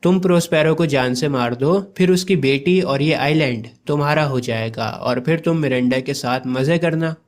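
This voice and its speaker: Male narrator voicing a vengeful monster, conversational, not heavily acted, a bit high. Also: moderate pace, hardly any pauses, close to an everyday voice.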